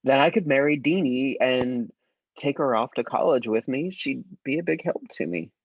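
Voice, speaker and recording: A man acting an earnest, troubled teenage son who speaks haltingly and deferentially in a drama table read. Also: mid-range voice, lively intonation, dry recording, lo-fi sound. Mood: nervous, earnest. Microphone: video call microphone.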